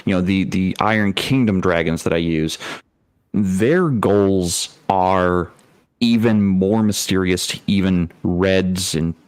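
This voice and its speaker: A man with a very low voice talks casually as a game master on a panel. His delivery rambles and halts, circling back over phrases. The sound is dry and close. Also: darkish tone, smooth, dry recording. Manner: rambling, halting explanation with repeated phrases. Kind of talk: casual discussion of tabletop gaming.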